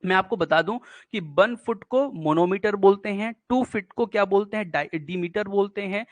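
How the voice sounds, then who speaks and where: A man with a high voice teaches poetic meter for an exam-prep class. He works through it step by step, putting questions to his students and answering them himself. The sound is close and dry, with no room echo. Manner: reads poetry lines slowly, syllable by syllable. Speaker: English literature teacher.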